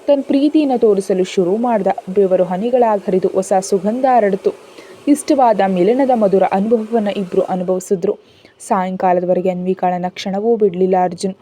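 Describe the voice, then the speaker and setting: A woman's voice: mid-range voice, moderate pace, warm tone, slight background noise. A woman reading a romantic family story aloud as a storyteller, voicing the characters' lines in her own narrating voice.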